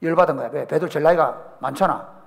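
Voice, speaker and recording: A middle-aged man with a Gyeongsang Korean accent, preaching a lively sermon and telling stories with humor. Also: on the high side, quick pace, vocal fry. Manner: animated storytelling, acting out people's voices with humor. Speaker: pastor. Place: church sanctuary. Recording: church hall reverb.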